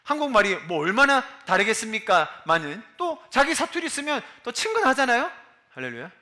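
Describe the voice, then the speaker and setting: A man's voice: very high voice, big pitch swings, fairly quick, bright, forceful tone. A man in his forties from Busan, a pastor preaching a sermon in a chatty way and asking the congregation questions. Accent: Busan Gyeongsang dialect. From Busan, South Korea. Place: church sanctuary.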